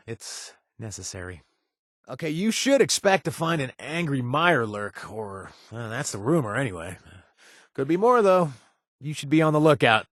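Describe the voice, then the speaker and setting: A man's voice: medium pitch, fairly bright tone, no room sound, studio quality. An actor playing a laid-back, wisecracking young male mercenary in a video game, talking casually with joking asides and filler sounds. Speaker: quest-giving companion. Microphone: dry studio recording.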